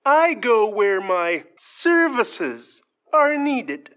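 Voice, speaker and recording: Audio comedy schemer, female actor: polished, smug royal fixer, unhurried delivery with lively intonation. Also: on the high side, exaggerated voice. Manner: polished, self-satisfied, formal. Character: smooth, scheming fixer who cleans up royal scandals. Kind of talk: audio fiction comedy acting.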